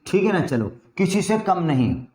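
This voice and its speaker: A man teaching English in a chatty way, repeating example sentences slowly so learners can drill them. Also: sits high, big pitch swings, dark tone, roomy sound. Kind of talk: spoken English lesson in Hindi.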